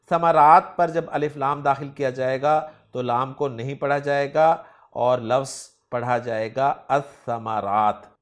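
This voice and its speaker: Man, grammar lecture, slightly high voice, very slow, repeats each rule. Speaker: Arabic grammar teacher. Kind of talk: recorded lecture.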